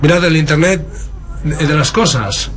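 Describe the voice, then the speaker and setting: A man with a Spain Spanish accent, interpreting a keynote simultaneously from a booth in a halting, stop-start way. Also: fairly high pitch, lively intonation, a bit bright.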